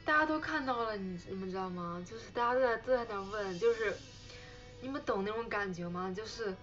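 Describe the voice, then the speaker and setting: A woman's voice: medium pitch, a little fast, muffled recording, soft background music. A young woman hosting a casual livestream, rambling with many fillers, thanking viewers for gifts and breaking into giggles as she tells a story. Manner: bursts into giggles while retelling. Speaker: idol livestream host. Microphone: phone livestream.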